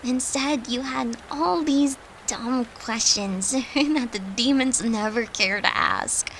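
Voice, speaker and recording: A tender human girlfriend played by a woman speaks slowly and earnestly, straight to her lover, in an intimate audio roleplay. Her voice sits on the high side, and there is faint noise behind it. She is an occult summoner, soft and confiding as she comforts. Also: low-quality recording. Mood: fond, warm. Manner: soft, earnest, confiding, with sighs and breathy laughs.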